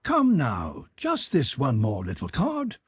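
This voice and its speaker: A proud young nobleman, voiced by a man reading aloud, sinking into despair at a card table. His husky voice swings up and down as he questions himself in anxious, pleading bursts. It sounds dry and close. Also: mid-range voice, sing-song, measured pace, a little mellow, no echo, voice pushed up, heavily acted. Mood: forced casual. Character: young male nobleman gambler, desperate, proud.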